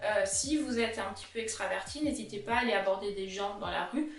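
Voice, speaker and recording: A young woman with a strong Alsatian accent talks casually and animatedly to her viewers, at an ordinary middle pitch. The sound is roomy and the camera mic sits some way off. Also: quick pace, recorded from a distance, slight background noise. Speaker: illustrator vlogger.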